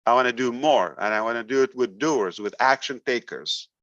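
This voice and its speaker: Man, company leader addressing members, blunt and emphatic, mid pitch, dry lo-fi sound. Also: normal speed, a bit bright, no room sound. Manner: blunt, emphatic, sarcastic at times. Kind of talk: motivational business talk. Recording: dull, dry recording.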